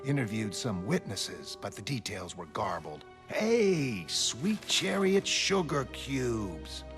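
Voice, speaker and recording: A man's voice: mid-range voice, sing-song, slow pace. A man voicing a cynical police detective who talks in a dry, streetwise way, over music. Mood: needling. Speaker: motion comic voice actor. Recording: music underneath.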